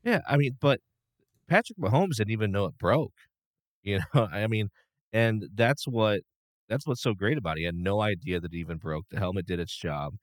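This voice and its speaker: Man, very low voice, sports talk co-host, animated, dry close sound. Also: moderate pace, no echo. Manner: animated opinions, many fillers and restarts.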